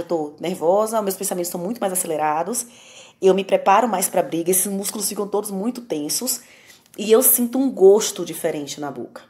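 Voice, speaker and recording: Fast-talking Brazilian woman, candid and emphatic. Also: mid-range voice, a little mellow. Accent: Brazilian Portuguese. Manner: candid, emphatic, self-mocking. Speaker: psychoanalyst guest. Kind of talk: conversational podcast talk.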